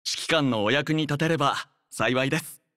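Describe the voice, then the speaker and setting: A dutiful young android adjutant from an anime game. His voice sits a little high for a man and is recorded very dry and close. He speaks with formal courtesy, composed and earnest, measuring out each phrase. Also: normal speed, bright, forceful tone, dry recording. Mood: polite, composed. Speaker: game character voice. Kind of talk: scripted anime game voice lines.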